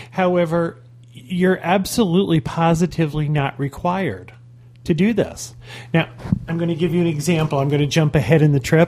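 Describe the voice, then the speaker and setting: Using an ordinary speaking voice, a man talks at a fairly quick pace with a fairly high pitch and ordinary pitch variation. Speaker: traveler sharing trip stories. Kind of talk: casual chat.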